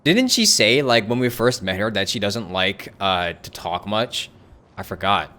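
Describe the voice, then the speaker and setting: Animated, chatty game streamer. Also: deep voice, measured pace. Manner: chatty, musing aloud. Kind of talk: casual live playthrough commentary, reading game dialogue aloud. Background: faint game music.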